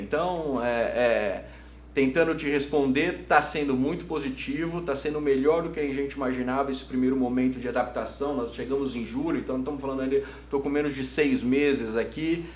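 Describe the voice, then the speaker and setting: A middle-aged Brazilian man answering conversationally as an interview guest, enthusiastic and emphatic, often repeating his words. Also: medium pitch. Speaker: interview guest, hotel business executive. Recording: roomy echo, audible background hum.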